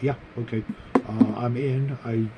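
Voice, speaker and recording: A man hosting a casual, unscripted vlog about tabletop gaming, talking to viewers in a rambling, halting, conversational way. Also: mid-range voice, fairly even intonation, heavy background noise. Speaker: host of a tabletop gaming vlog, game master.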